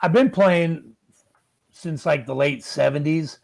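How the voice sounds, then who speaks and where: Gravelly, slightly high-voiced older man. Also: takes it slowly, a little mellow, no room sound. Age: 50s or older. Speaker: musician guest. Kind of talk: casual chat.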